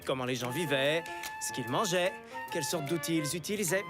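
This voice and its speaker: A man's voice: on the high side, animated, brisk, music in the background, lightly acted. A man voicing a friendly, enthusiastic archaeologist who teaches patiently, with an encouraging, explanatory manner, in a children's cartoon dub.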